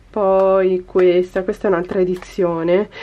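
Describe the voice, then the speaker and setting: A woman speaks at a fairly slow pace. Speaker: beauty vlogger. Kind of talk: casual product review to camera. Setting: home desk by a window. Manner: animated. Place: home room.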